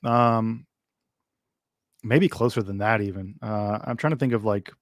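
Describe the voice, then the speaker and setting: Low-voiced man rambling through a livestream Q&A. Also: a little slow, no echo, studio quality. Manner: rambling, full of ums and restarts, wry asides. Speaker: host answering viewer questions. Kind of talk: casual livestream Q&A.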